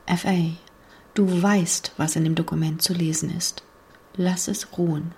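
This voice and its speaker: A woman reading the part of a calm, commanding female seminar leader with a quietly suggestive voice, in an audiobook. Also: lowish voice, measured pace, vocal fry, breathy edge, heavily acted. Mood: calm pleading.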